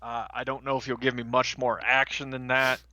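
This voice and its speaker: A man talks casually as a player at a tabletop game. His voice is sharp and bright at a middling pitch. The recording is dry and close. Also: flat delivery, brisk, dry recording, dull audio. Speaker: player in a tabletop RPG podcast.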